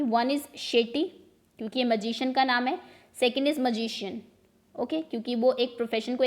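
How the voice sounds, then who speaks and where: A woman teacher with an Indian accent going over exam revision questions, explaining in Hindi and mixing in English words and sentences. She reads each question out slowly, then explains it at a quicker pace. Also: a little high.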